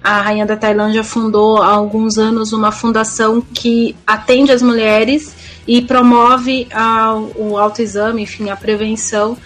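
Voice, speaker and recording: Female Brazilian podcast commentator, conversational sports talk, fairly high voice, light music behind. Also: level tone, unhurried.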